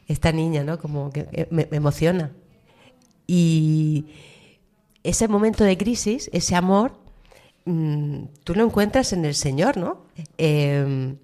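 Low, mellow-voiced woman interviewer. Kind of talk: gentle interview questions.

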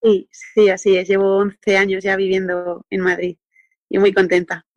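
A woman in her thirties with a Peninsular Spanish accent shares her story as a radio guest, pausing on fillers and tag questions. Her delivery stays flat and even. The sound is dry and a little dull, with the top end rolled off. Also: mid-range voice, no room sound. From Spain. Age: 30s. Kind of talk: personal testimony in conversation.

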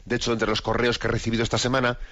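A man's voice: mid-range voice, monotone, a bit bright, no echo. A man hosting a radio program, giving a spoken commentary full of restarts and tag questions. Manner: halting, many restarts and rhetorical "¿no?". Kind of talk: spoken commentary on faith and current events.

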